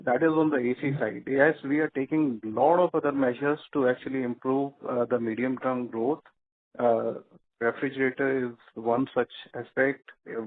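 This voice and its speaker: A company executive answering an analyst's question at a measured pace, with many fillers and restarts. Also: male voice, medium pitch, dry recording. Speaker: company executive on earnings call. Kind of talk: earnings call answer. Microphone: conference call phone line. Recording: dry tinny phone line.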